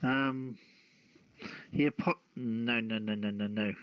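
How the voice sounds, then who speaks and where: Slow, dry-sounding man presenting news. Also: lowish voice, steady tone, smooth, dry recording. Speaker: podcast host reading news stories. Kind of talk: casual news commentary mixing reading and chat. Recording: dull, lo-fi streamed audio.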